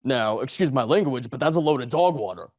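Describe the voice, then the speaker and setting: A man's voice: medium pitch, animated, fairly quick, a little mellow, no room sound, clean studio sound. Earnest, rambling young man giving a speech. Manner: rambling, earnest, rhetorical questions and repetition. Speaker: public speaker at a speakers club. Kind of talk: motivational speech to a live audience. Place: meeting room before an audience.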